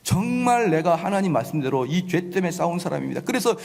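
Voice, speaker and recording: Male pastor, sermon, emphatic, high voice, long church echo. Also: big pitch swings, fast, creaky, darkish tone. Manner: emphatic preaching, acts out congregants' complaints. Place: church sanctuary.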